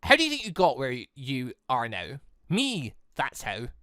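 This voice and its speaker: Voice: mid-range voice, wildly swooping pitch, normal speed, fairly bright tone, no room sound, studio quality, pitched below the performer's own voice. A game commentator voicing a young warrior woman's bitter alter ego, mocking and accusing. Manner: taunting, accusing.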